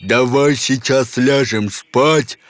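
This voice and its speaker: A hungry, sly forest spirit , voiced by a man, drags out every word in a mocking drawl. It is a cartoon voice at a middling pitch with faint music underneath. The manner stays gloating and menacing. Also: slow, close to an everyday voice. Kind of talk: cartoon voice acting.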